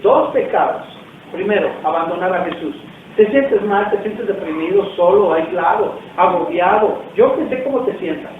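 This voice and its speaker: A pastor with a high-pitched, animated voice preaches a sermon at normal speed in a church hall, talking casually and putting questions to the congregation. The recording sounds distant, echoey, and tinny, with faint noise.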